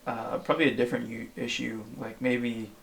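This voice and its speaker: A man's voice: mid-range voice, level tone, a little fast, gravelly, fairly bright tone, rough recording. A man co-hosting a casual comedic chat with dry joking asides. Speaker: co-host. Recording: faint background noise.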